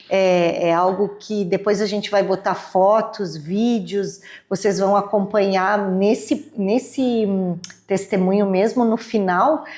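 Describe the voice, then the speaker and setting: A woman's voice: mid-range voice, darkish tone. A woman hosting a podcast, asking questions and chatting casually with short affirmations. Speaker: podcast host, interviewer. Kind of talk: casual interview chat.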